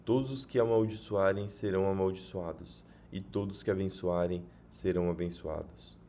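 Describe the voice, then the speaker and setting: A man's voice: low-pitched, fairly even intonation, moderate pace, dark tone, slight background noise. A man reading the lines of an aged blind father giving a solemn blessing.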